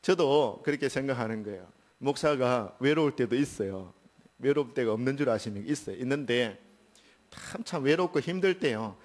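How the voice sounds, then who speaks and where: A middle-aged man, preaching a sermon as pastor in a church and building to loud, high emphasis. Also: expressive, normal speed. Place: church sanctuary.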